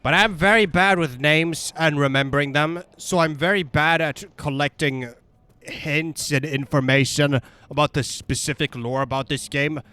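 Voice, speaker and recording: A man giving casual gameplay commentary in a rambling, irreverent, animated way. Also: fairly high pitch, smooth. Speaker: video game streamer.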